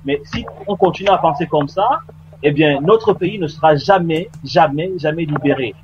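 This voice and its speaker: A man speaking as a guest in a radio debate, earnest and hesitant, with many pauses and fillers. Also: on the high side, a little mellow. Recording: dull lo-fi radio line with faint noise.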